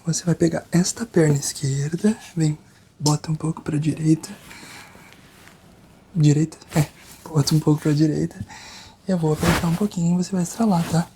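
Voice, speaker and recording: A Brazilian man in a soft-spoken ASMR roleplay as a chiropractor, reassuring and hushed, guiding the listener step by step and sometimes slipping into a whisper. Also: fairly high pitch, fairly even intonation, moderate pace, pauses often, poor audio. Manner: reassuring, talks the listener through each step. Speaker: ASMR creator playing a chiropractor. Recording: close binaural recording with background noise.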